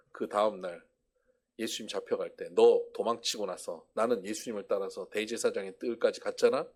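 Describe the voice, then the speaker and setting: A man voicing a blunt, gruff middle-aged male apostle who talks in a brusque, scolding way and then confesses. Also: fairly low pitch, a little mellow, pitched below the performer's own voice. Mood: confessing.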